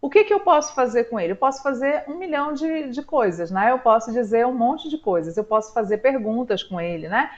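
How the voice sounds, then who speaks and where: A Brazilian woman with a somewhat high voice, teaching an online lesson in a patient, step-by-step way. She drags out her example words slowly and keeps checking in with the listener. The recording is a bit dull and lo-fi, with light typing on a keyboard behind her. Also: expressive. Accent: Brazilian Portuguese. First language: Portuguese. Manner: slow drawn-out model words, frequent "tá?". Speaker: English teacher. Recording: slightly dull lo-fi sound.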